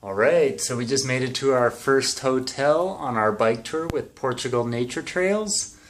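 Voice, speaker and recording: A man's voice: mid-range voice, unhurried. A man in his thirties, an upbeat travel vlogger talking casually to a camera held at arm's length. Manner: upbeat, chatty, laughs often. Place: outdoors on windy streets and indoors in rooms. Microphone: handheld camera at arm's length. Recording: loud wind noise on camera mic.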